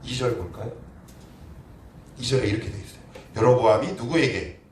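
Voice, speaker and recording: A man's voice: medium pitch, brisk. Emphatic male pastor preaching in echoey room. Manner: asks rhetorical questions and answers them himself; emphatic, swinging from quiet to forceful. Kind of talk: sermon. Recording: roomy echo, distant mic, faint noise.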